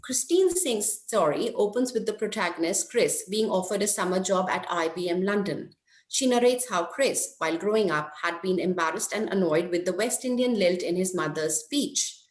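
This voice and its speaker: A woman's voice: mid-range voice, expressive. Woman reading a paper in an echoey room. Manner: measured, careful reading with slow stresses. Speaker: academic presenter. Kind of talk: reading a conference paper aloud.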